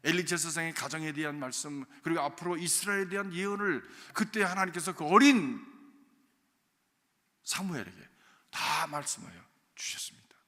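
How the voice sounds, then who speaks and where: A man preaching a storytelling sermon as senior pastor, talking conversationally and swinging between loud emphasis and soft, near-whispered asides. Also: fairly high pitch, normal speed. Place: church sanctuary. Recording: reverberant church sanctuary.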